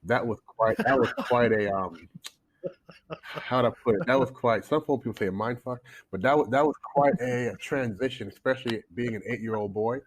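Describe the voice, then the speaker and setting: A man's voice: mid-range voice, normal speed, husky, rough recording. A man in his forties from Canada, a coach being interviewed, who tells his story in a talkative way, restarting and repeating words as he goes. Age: 40s. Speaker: guest, coach. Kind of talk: casual interview talk. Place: home in China, remote call.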